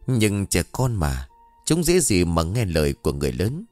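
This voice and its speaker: A man tells a ghost story in a low, animated voice that swings widely in pitch. The recording is dry and close, with soft music underneath. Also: moderate pace, dry recording. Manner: expressive, lively storytelling. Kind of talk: scripted storytelling. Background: faint background music.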